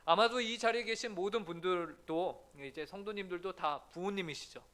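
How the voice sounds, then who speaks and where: A man's voice: high-pitched, normal speed, fairly bright tone. A man pastor giving an earnest sermon in a church, often putting questions to the congregation.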